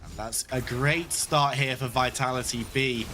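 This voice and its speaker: A man calling play-by-play for a competitive video game match, talking in a steady, flowing way with some playful banter. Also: medium pitch, measured pace, a little hiss or hum. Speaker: esports play-by-play caster.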